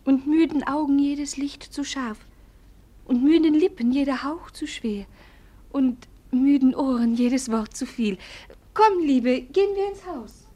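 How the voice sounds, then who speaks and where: An actress playing a weary, melancholy young princess in a radio play, speaking in measured poetic phrases. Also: female voice, sits high, warm tone. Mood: weary, wistful. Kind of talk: theatrical German radio play acting.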